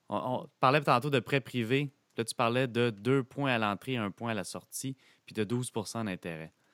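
On a very clean recording with a silent background and a dry, close sound without echo, a man of medium pitch speaks fairly slowly with ordinary pitch variation. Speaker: podcast host. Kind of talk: interview. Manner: animated.

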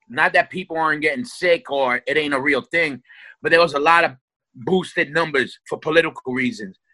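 A man's fairly high, bright, sharp voice at a fairly quick pace, with ordinary pitch variation and a dry, close sound free of echo. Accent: New York. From New York City. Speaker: hardcore band singer. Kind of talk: casual chat. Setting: remote call.

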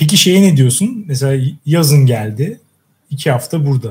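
A somewhat breathy man with a fairly high pitch and lively intonation talks at a moderate pace. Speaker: podcast co-host. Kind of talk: casual chat. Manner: animated, laughing often.

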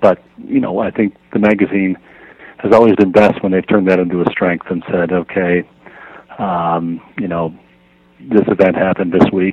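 A man's very deep, low voice with an American accent, at a moderate pace and monotone, flat intonation, over noticeable background noise. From Minnesota. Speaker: sportswriter. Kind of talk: interview.

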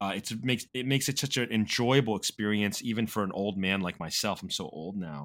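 A fairly low-pitched man with ordinary pitch variation, a very fast pace and hardly any pauses, on a very clean recording with a silent background. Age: old. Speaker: neurosurgeon, residency program faculty. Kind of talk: casual chat. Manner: halting, many fillers.

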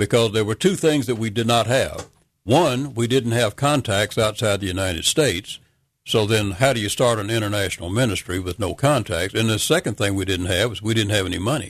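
A somewhat breathy, fairly quick voice in a Southern US accent, with ordinary pitch variation. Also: man, fairly low pitch for a man, quiet background. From Memphis, Tennessee. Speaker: evangelist. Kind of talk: radio interview. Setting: studio.

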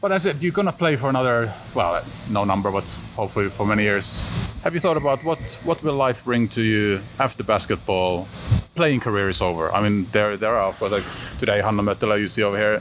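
This man talks at a very fast pace with lively intonation and a fairly low pitch. His loudness stays very even over noticeable background noise. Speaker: basketball podcast host. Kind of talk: casual interview.

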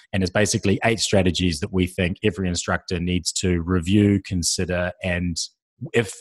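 Speaking at a fairly quick pace with a New Zealand accent, a man has a somewhat breathy, very deep, low voice and fairly even intonation, captured dry and close with no echo in a very clean recording with a silent background. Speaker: fitness instructor trainer and entrepreneur. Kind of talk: interview.

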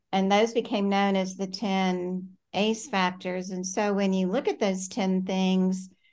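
Against a quiet background, a woman with an American accent speaks at a very slow pace in a monotone, flat intonation. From Washington, D.C. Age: 60s. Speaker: childhood trauma expert. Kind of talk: interview.

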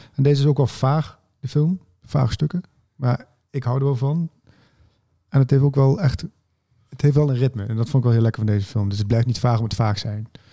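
Dark and mellow in tone, a man's somewhat breathy voice at medium pitch moves at a fairly quick pace with ordinary pitch variation and long, frequent pauses, in a dry, close sound with no echo. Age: 40s. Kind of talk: casual chat.

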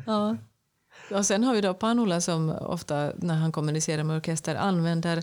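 In a very clean recording with a silent background, a woman with a plain, everyday voice speaks at a moderate pace, fairly low in pitch, with ordinary pitch variation and very even loudness. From Finland. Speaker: orchestra violinist, podcast host. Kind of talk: casual chat.

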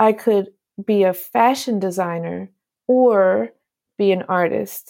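A woman's dark, mellow tone with ordinary pitch variation, on a very clean recording over a silent background. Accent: New Jersey. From US, New Jersey. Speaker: textile artist. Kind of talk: interview.

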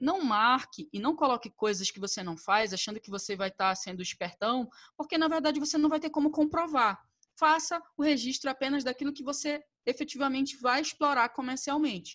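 A woman's high-pitched voice with lively intonation, a fairly quick pace and big swings in loudness. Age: 30s. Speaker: intellectual property lawyer. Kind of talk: interview.

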